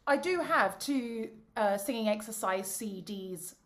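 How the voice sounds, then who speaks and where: A woman, an opera singer and voice coach, chatting in a bubbly, animated way and laughing often over a video call. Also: fairly high pitch, unhurried. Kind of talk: casual chat.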